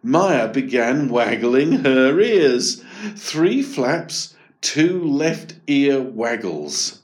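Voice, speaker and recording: A man narrating a children's story aloud. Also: mid-range voice. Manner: slow, expressive storytelling.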